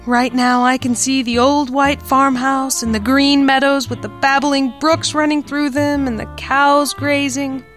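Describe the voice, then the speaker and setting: A woman's voice: high voice, level tone, unhurried, few pauses, a bit bright, soft background music. A woman playing a sweet, scheming young dance-hall girl in the melodramatic style of an old pulp radio drama. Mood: wistful.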